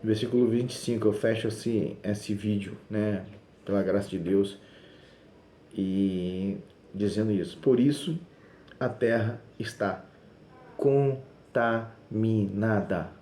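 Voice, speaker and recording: A man's voice: lowish voice, slow pace, dark tone. Male preacher, insistent sermon delivery, roomy echoey recording with faint hiss. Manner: emphatic, insistent preaching with repeated phrases. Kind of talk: sermon video. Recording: roomy echo, faint background noise.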